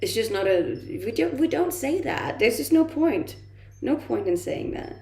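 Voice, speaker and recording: Woman from Denmark, casual livestream host, lots of vocal fry, roomy echo, faint music under her. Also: a little high, very animated, moderate pace, a little mellow. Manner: laughs often, chatty and self-amused. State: blocked nose from blowing it a lot. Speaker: livestreamer reading chat. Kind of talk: casual morning livestream chat.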